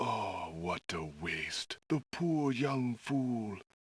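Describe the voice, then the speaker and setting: A man's put-on character voice at a medium pitch, very slow, with very wide pitch swings. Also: dry, close sound with no echo. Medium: video game.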